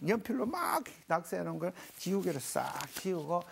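Middle-aged pastor, lively pitch. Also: male voice, moderate pace, gravelly, a little hiss or hum. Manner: animated and folksy, explains Hebrew words in homely terms. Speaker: pastor and Bible teacher. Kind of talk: televised Bible lecture with a panel.

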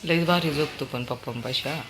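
A woman's voice: low-pitched, brisk, heavy background noise. A woman filming her dog, coaxing and calling him in a singsong voice between casual remarks.

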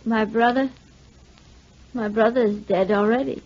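An actress playing a dazed, eerily calm, unbalanced woman in a 1940s radio drama, detached and matter-of-fact. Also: on the high side, a little slow. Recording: dull, muffled old 1949 radio recording.

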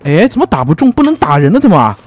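A man giving lively, teasing commentary as he plays a video game, full of exclamations. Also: fairly high pitch, fast talker, a little hiss or hum. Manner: excitable, teasing, frequent exclamations and laughs. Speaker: gaming YouTuber. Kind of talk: let's play commentary.

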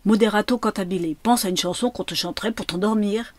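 A woman's voice: mid-range voice, fast talker, no echo, natural voice. A woman reading aloud and voicing a stern, commanding piano teacher who scolds sharply. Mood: scolding.

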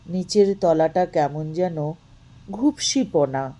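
Slow, low-voiced woman storyteller. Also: mellow. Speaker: story narrator. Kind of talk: expressive scripted narration of a literary story.

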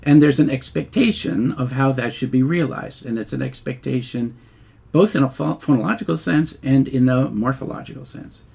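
Gravelly-voiced older man lecturing. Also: medium pitch, darkish tone. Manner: measured, explanatory, with frequent fillers and restarts. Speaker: linguistics lecturer. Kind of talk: recorded lecture narration over slides.

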